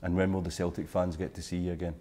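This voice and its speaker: A man interviews a guest for club television. His voice is low and mellow, and he puts his questions warmly and directly. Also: flat delivery, quick pace.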